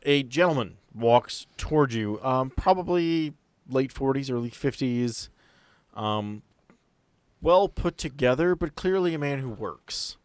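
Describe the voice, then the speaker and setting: A man's voice: medium pitch, animated, measured pace, clear, resonant tone, dry recording. A man running a tabletop game, narrating casually and improvising in a conversational way. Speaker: game master.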